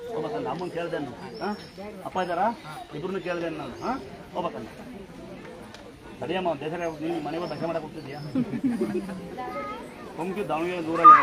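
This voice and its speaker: Fast-talking Kannada temple priest. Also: male voice, a little high. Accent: Kannada, Karnataka. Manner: fast, forceful, instructing devotees. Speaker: temple priest addressing devotees. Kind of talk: loud public address to devotees. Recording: loud crowd behind.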